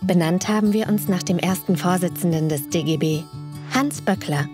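A woman reading a scripted promotional narration in an even presenter manner. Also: lowish voice, normal speed. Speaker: foundation narrator. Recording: music bed underneath.

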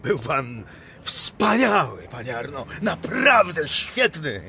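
Admiring parking attendant, highish sharp voice, unhurried, radio play. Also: male voice, big pitch swings, creaky, slight background noise, full character voice. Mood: admiring, chummy. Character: admiring, chummy male car park attendant. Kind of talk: radio drama acting.

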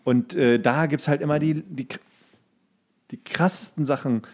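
A man's voice: fairly high pitch, a little slow, darkish tone. Rambling man in casual podcast chat. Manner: rambling, digressing. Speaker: podcast co-host.

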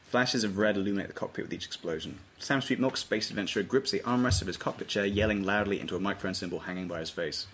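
Brisk low-voiced man narrating. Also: a bit bright. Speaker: narrator reading stage directions. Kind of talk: scripted narration at a table read. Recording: faintly noisy table read recording.

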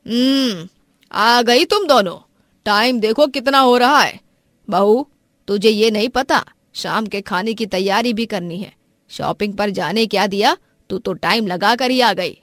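A woman playing a strict, grumpy middle-aged mother-in-law in an animated family story, with a commanding manner. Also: mid-range voice, unhurried, no room sound, clean studio sound, lightly acted. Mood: stern disapproval. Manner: scolding, commanding.

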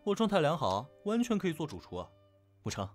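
With music underneath, a man plays a young big brother in an audio drama. He banters in a very animated, mock-complaining way. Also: on the high side, quick pace. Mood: good-natured. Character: playful, bantering, protective young older brother. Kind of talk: fan audio drama acting. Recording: music behind the voice.

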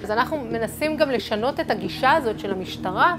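A woman's voice: on the high side, lively intonation. A woman speaking earnestly in an interview, arguing her point with frequent fillers. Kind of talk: interview talk. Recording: music bed underneath.

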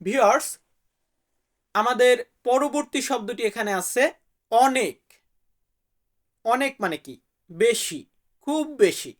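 A man's voice: very high voice, lively intonation, slow pace, long pauses. A man from Bangladesh, teaching vocabulary to viewers and repeating each word so they can say it back. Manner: friendly, calls viewers brother. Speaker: language teacher.

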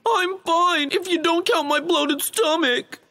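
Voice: very high-pitched, measured pace, fairly bright tone, exaggerated voice. An actor voicing a lazy, gluttonous, childlike male bear in a cartoon, whiny and sheepish. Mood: lazy, feigning. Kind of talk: cartoon dubbing.

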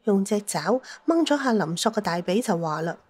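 A woman's voice: medium pitch, expressive, normal speed, a little mellow, husky, no echo. A woman telling a dramatised story as an audiobook narrator, with a Cantonese accent.

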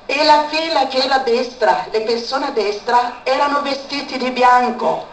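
A woman's voice: high-pitched, moderate pace. Woman sharing a personal testimony, emphatic repetition; faint noise behind, reverberant space. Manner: repeats words for emphasis. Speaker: speaker giving a testimony. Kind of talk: emotional spoken testimony. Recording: echoey room, far from mic, faint background noise.

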